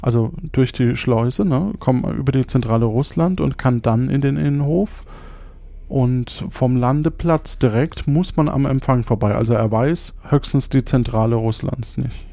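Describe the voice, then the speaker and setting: A man hosting as game master of a mystery podcast, talking in a brisk, organizing way. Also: mid-range voice, gravelly, warm tone, dry recording.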